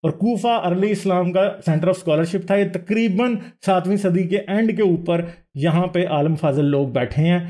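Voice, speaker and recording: High-pitched, mellow-voiced man lecturing. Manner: explanatory, asks the audience rhetorical questions; mixes English words into speech, self-corrects. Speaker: livestream host. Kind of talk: lecture-style talk over slides.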